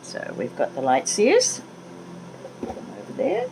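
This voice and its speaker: A woman with an Australian accent, amid noticeable background noise. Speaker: tarot card reader. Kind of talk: tarot reading. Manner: casual, chatty with fillers.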